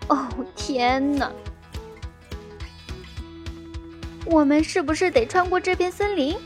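A woman voicing a timid little boy mouse who trembles with fear, stammers and sometimes shouts, in a children's storybook. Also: sits high, moderate pace, soft background music, lightly acted. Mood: scared. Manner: fearful, trembling, breaks into shouts.

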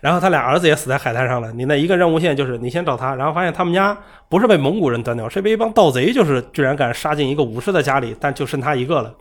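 A man chatting casually about a video game, retelling side stories in a rapid, rambling way with many fillers. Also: fairly high pitch, expressive.

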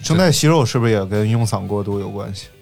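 A man's voice: on the low side, animated, fast, vocal fry, darkish tone, soft background music. A man co-hosting a podcast in casual chat, with joking, teasing banter. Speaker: podcast co-host.

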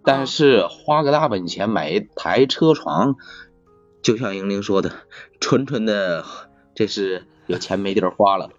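Low-voiced man chatting, repeating himself. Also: unhurried, dry recording. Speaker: podcast speaker, factory assembly worker. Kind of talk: casual chat. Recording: slightly dull, music behind. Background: music.

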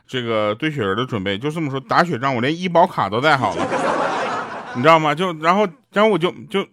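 A man's voice: on the high side, animated, fairly quick, noisy background. Chatty Northeastern Mandarin man telling jokes. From Northeast China. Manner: chatty, laughs at his own jokes, gets loud at punchlines. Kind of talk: casual comic storytelling.

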